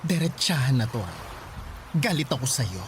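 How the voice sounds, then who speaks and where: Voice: medium pitch, very animated, moderate pace, heavy background noise, lightly acted. An actor in a radio drama playing a sassy, wronged gay teenage boy who is fiery, sarcastic and theatrically taunting. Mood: angry, confrontational. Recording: loud music behind the voice.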